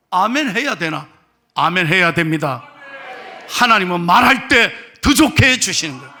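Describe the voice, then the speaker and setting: A male pastor giving a sermon, swinging between loud shouts and low confiding asides, joking with his congregation. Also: gravelly. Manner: humorous, addresses congregation directly. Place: church sanctuary.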